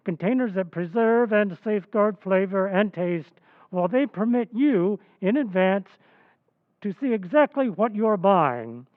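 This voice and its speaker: A man's voice: high voice, expressive, unhurried, no echo. Tinny-sounding male radio announcer. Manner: formal, polished sales delivery. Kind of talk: scripted old-time radio advertisement.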